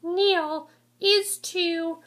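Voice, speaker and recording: Very high-voiced woman, stuffy with a cold. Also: steady tone, very slow, fairly bright tone. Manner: rambling, many ums and restarts. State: congested with a cold. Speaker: TV episode reviewer. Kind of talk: casual video review.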